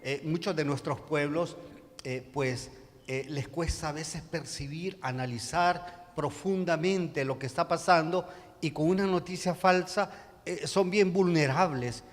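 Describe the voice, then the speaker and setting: A man with a Salvadoran accent reflecting off the cuff as a panel guest, halting, with frequent filler sounds. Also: on the high side. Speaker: panel guest, journalist and documentary maker. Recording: long reverb of a hall.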